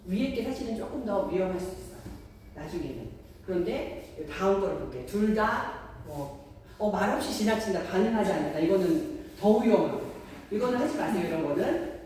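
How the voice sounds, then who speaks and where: A woman giving a parenting lecture, animated and acting out parents' and children's lines in a higher voice. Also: fairly quick, heavy reverb, big-room sound, distant mic, a little hiss or hum, low-quality recording. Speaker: daycare parent-education lecturer.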